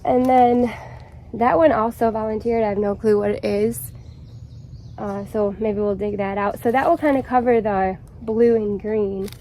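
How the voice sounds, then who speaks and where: A woman vlogging in her garden, chatty and excited, a little out of breath as she rambles. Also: medium pitch, measured pace, a little hiss or hum. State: slightly out of breath. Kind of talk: casual vlog chat. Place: outdoors in a shade garden.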